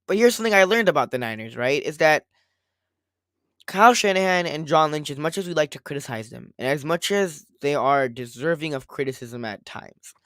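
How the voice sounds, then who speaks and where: A man co-hosting a casual sports podcast, rambling and circling back to his points, a little hoarse after a cold. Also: on the high side, lively intonation, a little fast, fairly bright tone, dry recording, clean studio sound. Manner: rambling, repeats himself, quotes others. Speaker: podcast co-host.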